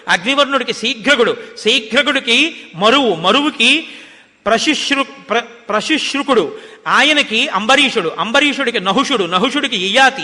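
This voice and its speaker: High, bright older man with a Telugu accent, echoing in a hall. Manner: recites Sanskrit verses in a slow chant. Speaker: religious discourse speaker. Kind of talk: devotional discourse with Sanskrit verse recitation. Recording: long hall reverb.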